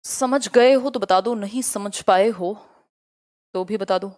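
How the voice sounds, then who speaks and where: In a live online English pedagogy class, a young woman with a mid-range, slightly mellow voice switches between Hindi and English. She pauses to confirm her students understand and slowly reads out definitions.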